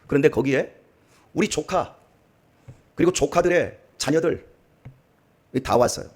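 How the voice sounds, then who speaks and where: A middle-aged man, a pastor, preaching a dawn sermon in a church, swinging from soft asides to emphatic exhortation. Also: a little high, measured pace. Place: church sanctuary.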